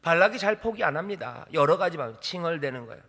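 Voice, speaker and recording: Bright high-voiced preacher in a church hall. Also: male voice, quick pace, vocal fry. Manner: animated, rhetorical questions, acts out quotes. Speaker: pastor. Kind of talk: sermon.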